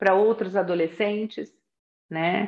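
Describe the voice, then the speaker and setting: Her ordinary speaking voice stays at medium pitch with ordinary pitch variation as the woman talks at a fairly slow pace. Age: 60s. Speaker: mother of a daughter with a rare syndrome. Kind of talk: live interview. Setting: YouTube live video call.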